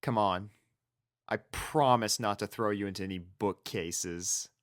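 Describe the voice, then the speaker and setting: A man playing a caring, patient, steady young man in dialogue from a fan fiction audio drama. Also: fairly low pitch, measured pace, dry recording, studio quality. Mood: reassuring.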